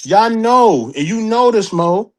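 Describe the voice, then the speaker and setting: A man's voice: sits high, lively intonation, slow, a crowd in the background. A man on a casual panel discussion, teasing and insistent, repeating his phrases to press a point.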